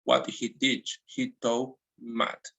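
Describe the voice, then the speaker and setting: A man with a Mexican Spanish accent, teaching English from a textbook and reading the lines slowly with restarts. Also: mid-range voice, monotone, gravelly, sharp tone. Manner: reads slowly, with restarts and nonstandard grammar. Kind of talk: textbook lesson, repeating audio lines.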